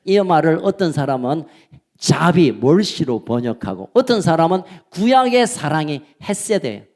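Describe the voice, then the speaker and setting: A male pastor preaching a sermon in a church, swinging between loud, fervent lines and soft asides. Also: fairly high pitch, sing-song, normal speed. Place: church sanctuary.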